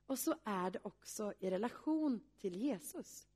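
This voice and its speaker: A woman pastor giving a sermon, speaking earnestly and reflectively with pauses. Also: medium pitch, animated, darkish tone, husky.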